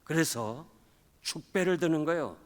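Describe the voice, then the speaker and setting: A male pastor preaching a revival sermon, telling a story and acting out the quoted voices, swinging between loud and soft. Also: fairly high pitch, lively intonation, unhurried. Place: church sanctuary. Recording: long hall reverb.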